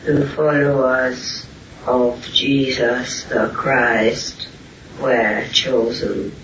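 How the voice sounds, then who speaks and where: A man speaking as a spiritual teacher, answering questions solemnly and deliberately in halting short phrases. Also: medium pitch, level tone. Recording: roomy, distant, muffled, hissy amateur recording.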